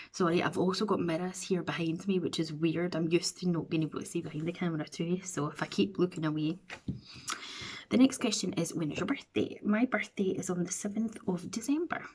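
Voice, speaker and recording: A beauty vlogger in her thirties, Scottish, chats and rambles to camera from her home bedroom with a self-deprecating streak and a runny nose. She speaks on the low side and fairly quickly, her tone darkish with a breathy edge.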